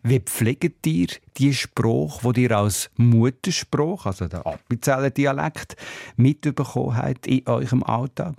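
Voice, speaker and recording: A man's voice: mid-range voice, measured pace, creaky, darkish tone, no echo. A man with a Swiss German accent presenting a radio show, reading traffic news and prompting a caller with friendly questions.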